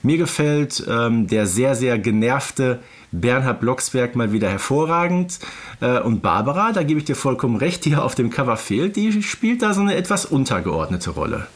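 A man's voice: medium pitch, sing-song, normal speed. A man co-hosting a casual review podcast, conversational and often seeking agreement with short tag questions. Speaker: podcast host. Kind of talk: casual review chat about audio dramas.

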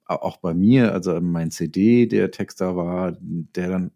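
Low, mellow-voiced man reflecting in conversation. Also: a little slow. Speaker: interview guest, novelist and former advertising copywriter.

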